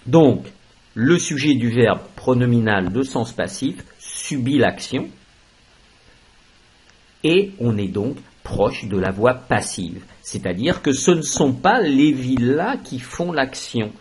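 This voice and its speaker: A man teaching a French grammar lesson, explaining slowly and stressing key words, switching into English for translations. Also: medium pitch, slightly rough, low-quality recording.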